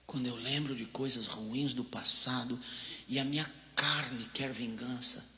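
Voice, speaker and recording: A Brazilian pastor preaching a storytelling sermon, swinging from hushed asides to loud outbursts, in a church hall. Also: male voice, medium pitch, fairly even intonation, unhurried. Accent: Brazilian Portuguese.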